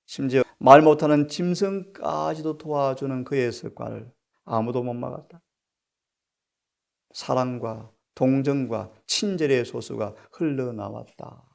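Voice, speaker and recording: A middle-aged pastor preaching a sermon, often putting rhetorical questions to his congregation and swinging between soft, quiet phrases and loud, emphatic bursts. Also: mid-range voice, unhurried, gravelly.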